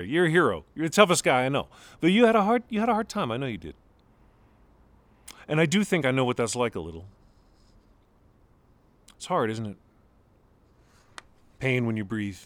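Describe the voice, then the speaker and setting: A man playing a grieving adult son talking to his father in an intimate, halting monologue whose voice sometimes breaks high. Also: fairly bright tone. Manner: halting, restarts, voice breaking into high strained pitch.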